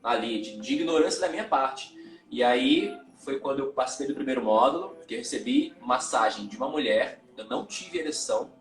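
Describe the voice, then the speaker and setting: A man, a tantra and yoga teacher, telling his personal story as a guest in a live interview, candid and halting, often repeating words. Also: medium pitch, big pitch swings, roomy sound, faint music behind.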